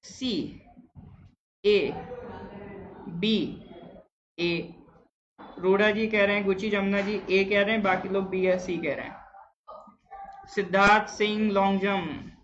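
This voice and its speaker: A man's voice: sits high, steady tone, slow pace, pauses often, fairly bright tone, muffled recording, slight background noise. A man teaching a live online exam-prep class, chatting with viewers, reading out their answers and quizzing them.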